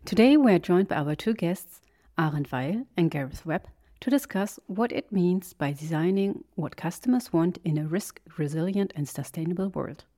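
Female podcast co-host, polite and welcoming, lower register. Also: expressive, moderate pace, mellow. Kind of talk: podcast hosting.

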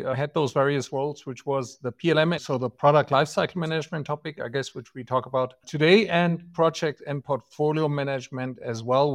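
A middle-aged man from Germany with a German accent, explaining product topics as a podcast guest, often adding "right?" and "so to speak". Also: medium pitch. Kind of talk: podcast interview answers.

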